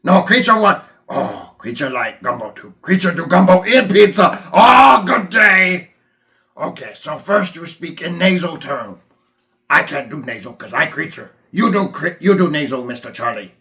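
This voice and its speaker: A man voicing a simple-minded, always hungry creature puppet with a gravelly growl and broken third-person grammar. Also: fairly high pitch, big pitch swings, moderate pace, sharp tone, voice pushed up, exaggerated voice. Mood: hungry, eager.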